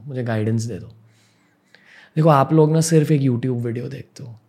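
With a medium-pitched, dark voice that carries a breathy edge, a young man from Mumbai, India, narrates a personal story on his podcast. His delivery is earnest and reflective, with English words mixed in.

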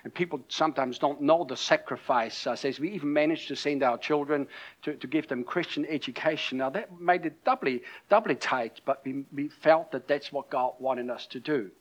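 A man's voice: fairly high pitch, moderate pace, muffled recording. A middle-aged man from Austria with a German-accented English, preaching a conversational sermon with many fillers and restarts. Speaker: pastor.

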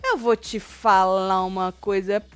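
A woman co-hosting a casual gossip show, retelling reality-TV moments with emphatic, animated delivery. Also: medium pitch, unhurried.

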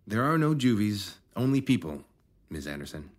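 An actor playing a probing, officious rejuvenation officer in an audio drama, measured and insinuating. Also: male voice, on the low side, sing-song. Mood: needling.

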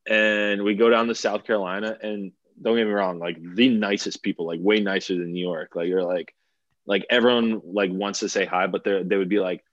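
A young man from Bulgaria talks through a podcast interview in a loose, rambling way, stacking fillers and restarting his sentences. His voice sits very low. The sound is dry and a little dull, like a lo-fi recording. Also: steady tone, fairly quick, no echo. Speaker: podcast guest, DJ. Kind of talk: casual interview chat.

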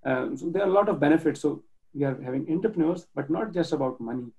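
A man from Pakistan talking earnestly about his nonprofit work as a guest on a video call, halting often with restarts and fillers. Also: fairly high pitch, lively intonation, gravelly, a little mellow, rough recording. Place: home in Germany.

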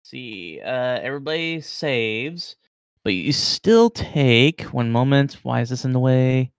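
A man running a tabletop game as game master, with a smooth, resonant voice. He describes monsters in a relaxed way, with plenty of filler words. The sound is dry and close. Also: mid-range voice, takes it slowly, no room sound.

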